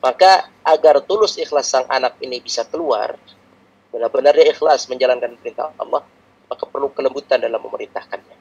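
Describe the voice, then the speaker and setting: Gravelly, husky male preacher. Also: medium pitch, a little fast, highs cut off. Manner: calm explanatory teaching with many repetitions. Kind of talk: religious lecture.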